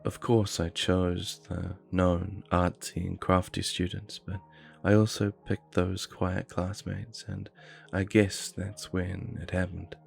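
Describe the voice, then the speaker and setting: A man narrating a scripted horror story in a measured, low-key way. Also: level tone, gravelly, soft background music.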